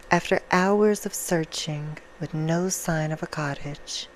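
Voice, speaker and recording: A woman playing a vampire who reads a bedtime story in a hushed, soothing ASMR roleplay style. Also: sits low, a little hiss or hum, poor audio. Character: female vampire reading a soft bedtime story.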